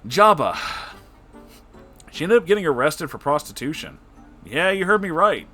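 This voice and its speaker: Expressive man narrating over music. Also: on the high side, moderate pace. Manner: expressive, casual, profane. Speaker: online story narrator. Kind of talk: dramatic story reading with personal reactions. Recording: music behind the voice. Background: background music.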